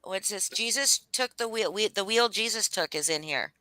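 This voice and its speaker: Bright-voiced woman chatting bluntly. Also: mid-range voice, moderate pace, dry recording. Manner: blunt, animated gossip with swearing. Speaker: host. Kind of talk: casual chat.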